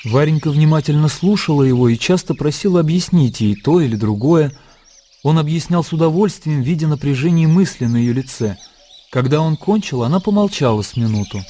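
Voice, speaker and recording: A man narrating a classic story in a measured, calm way. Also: fairly high pitch, a little hiss or hum. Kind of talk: scripted literary narration. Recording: narration over background music.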